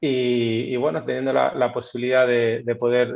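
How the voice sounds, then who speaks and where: A man talks at a medium pitch and a moderate pace. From Argentina, Necochea. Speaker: tech company co-founder. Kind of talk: interview. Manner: halting, many repetitions and fillers.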